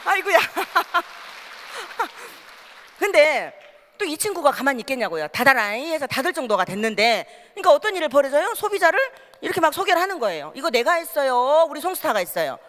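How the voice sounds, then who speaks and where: A woman from the Gyeongsang region giving a motivational seminar talk, telling stories with frequent questions to the audience. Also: a little high. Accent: Gyeongsang Korean. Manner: lively storytelling with asides to the audience. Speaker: seminar speaker. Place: seminar hall. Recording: reverberant hall.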